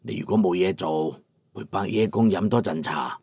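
A man doing a deep, husky old craftsman. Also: dry recording, clean studio sound, heavily acted. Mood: calm. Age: 50s. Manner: gentle, unhurried. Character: older male craftsman, calm, wise. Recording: soft background music.

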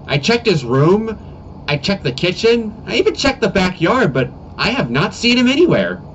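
A man's voice: sits high, big pitch swings, normal speed, fairly bright tone, dull audio, slight background noise. A man voicing a laid-back, helpful young daughter in an amateur comedy animation, recorded on a cheap webcam mic. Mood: casual.

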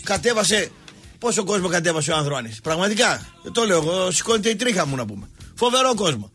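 A man hosting a sports talk show, ranting sarcastically and mocking people, going from loud outbursts to low muttering. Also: very animated, slightly rough, faint music behind. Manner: sarcastic, mocking, switches between shouting and muttering. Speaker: radio sports talk host. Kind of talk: ranting monologue.

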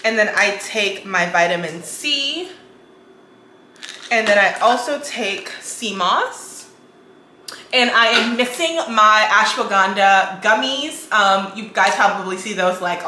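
A young woman, a bit hoarse from a cold, chatting casually to her viewers from her home kitchen. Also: medium pitch, sharp tone. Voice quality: raspy. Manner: chatty, addresses viewers as guys and y'all. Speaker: lifestyle vlogger. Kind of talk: casual chat to camera. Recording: echoey kitchen with faint noise.

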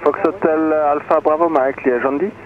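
A man's voice: fairly high pitch, fairly even intonation, a little fast. A man working as an approach controller, giving routine radio instructions. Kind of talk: radio clearances. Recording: tinny aircraft radio.

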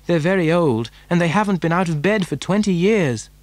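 A man's voice: high-pitched, lively intonation, a little fast, no room sound, pitched above the performer's own voice. A man voicing an eager, earnest, polite little boy in a storybook, with breathless emphasis.

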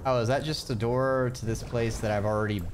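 A man's voice: medium pitch, steady tone, fairly quick, slight background noise. A man livestreaming a video game with casual, rambling, hesitant commentary.

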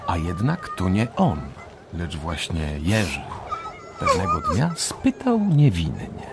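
A man's voice: deep voice, wildly swooping pitch, slow pace, exaggerated voice. A man narrating a macabre survival tale in a scripted radio play. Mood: storytelling. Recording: clearly noisy radio drama recording.

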